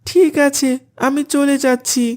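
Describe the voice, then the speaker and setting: A woman voicing an earnest high-voiced cartoon boy. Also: steady tone, a little slow, darkish tone. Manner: polite, dutiful. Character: earnest devout young boy student.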